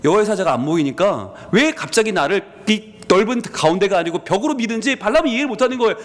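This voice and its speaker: A man's voice: high voice, lively intonation, fast. A male pastor preaching a sermon, telling the story with animation and asking the congregation questions, in a church. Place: church sanctuary. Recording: long hall reverb.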